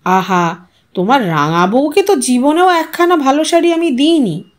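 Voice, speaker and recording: A woman voices a genial young brother-in-law in an audio story. The pitch is high and very lively. The talk is teasing, coaxing and persuasive. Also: moderate pace. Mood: playful persuasion. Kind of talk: dramatised audio story reading.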